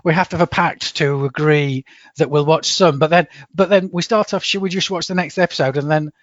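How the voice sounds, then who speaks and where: A middle-aged Englishman with a lilt talks in a chatty, hesitant way, often doubling words before he finds them. His voice sits a little high for a man. The sound is dry and a bit muffled, with no room around it. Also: fairly even intonation, a little fast, no room sound. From England. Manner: hesitant, repeats words, self-deprecating laughs. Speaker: guest. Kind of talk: casual podcast interview.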